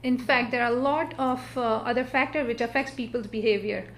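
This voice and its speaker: A middle-aged woman with a Pakistani accent, Urdu her first language, speaks at a symposium in a church hall. Her voice sits a little high, and she talks earnestly, stopping often to restart and fill pauses. A faint noise runs underneath. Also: fairly even intonation. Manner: earnest, halting, many fillers and restarts. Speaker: panelist. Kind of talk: panel talk at an interfaith symposium.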